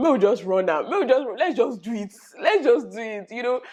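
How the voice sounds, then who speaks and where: In a Nigerian accent, a woman speaks at a moderate pace in a fairly high pitch, with an animated tone and very wide pitch swings. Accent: Nigerian (Yoruba) English. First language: Yoruba. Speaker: vlogger. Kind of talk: casual vlog talk.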